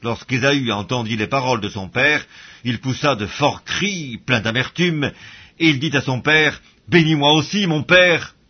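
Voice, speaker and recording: Husky man reading scripture, dull recording. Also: mid-range voice, normal speed. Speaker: Bible reader.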